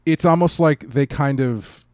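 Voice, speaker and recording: A man's voice: fairly high pitch, measured pace, a little mellow, clean tone, no room sound, studio quality. A man co-hosting a podcast, chatting casually through a review and thinking aloud as he hedges and interrupts himself. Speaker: podcast co-host.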